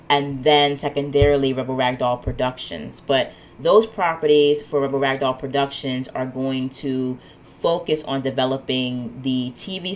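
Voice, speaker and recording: A woman hosts her own podcast in a solo monologue, talking through her plans in a relaxed, rambling way full of "um"s and asides. She sounds a little sniffly from a cold. Her pitch is extremely low, with slight background noise.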